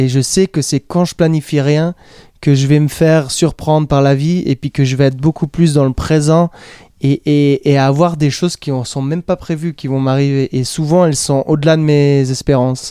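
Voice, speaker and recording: A man's dark, mellow voice, fairly high in pitch, at a moderate pace with monotone, flat intonation, in a very clean recording with a silent background and a dry, close sound with no echo. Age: 30s. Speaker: professional snowboarder. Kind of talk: casual interview. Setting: mountain ski resort.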